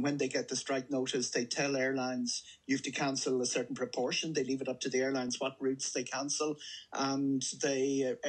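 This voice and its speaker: A middle-aged man with an Irish accent speaks as an expert guest in a radio studio. His voice is husky and mid-pitched. He explains things in detail, often hesitating and correcting himself. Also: poor audio. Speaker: travel journalist, studio guest. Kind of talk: explanatory news interview. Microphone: studio microphone on table stand.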